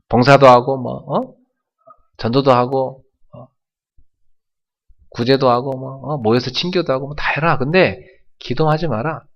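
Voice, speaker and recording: A scoffing, taunting devil jeers at the prayerless, as a man puts him on in a sermon. The voice sits low, and the recording sounds dull and lo-fi. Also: creaky, breathy edge. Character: sneering devil mocking prayerless Christians.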